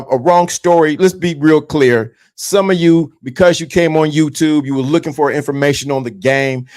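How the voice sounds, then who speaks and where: A man's voice: a little high, darkish tone. A man in his fifties hosting a live stream, giving a motivational talk to his viewers and repeating his key points. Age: 50s. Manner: repetitive, preachy, addresses viewers directly. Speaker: livestream host.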